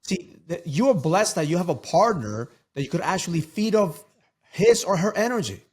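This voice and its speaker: A man's voice: high-pitched, sing-song, normal speed, a little mellow. A man talking as a guest coach in a casual interview, emphatic and preachy, often repeating words for stress.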